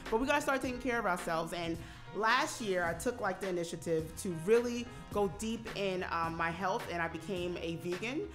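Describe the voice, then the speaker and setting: A woman in her forties hosts a radio talk show from a studio, chatting casually with plenty of fillers and easy laughter. Her lowish voice moves at a normal speed over music and is picked up by a studio microphone.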